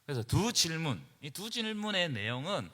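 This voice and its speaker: Man, pastor, Bible study lecture, emphatic and forceful, lively pitch swings, church hall reverb. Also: moderate pace. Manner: emphatic, rising to forceful preaching.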